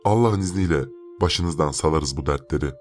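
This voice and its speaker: A man voicing a kindly older mosque imam who speaks calmly and in a fatherly way. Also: a bass voice, normal speed, faint music behind. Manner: calm, fatherly.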